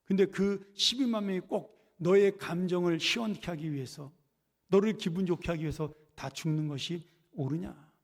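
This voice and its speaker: Man voicing a gentle God, slow calm questions, echoing sanctuary. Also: sits high, gravelly. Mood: coaxing. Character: patient gentle male God, coaxing. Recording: long church reverb.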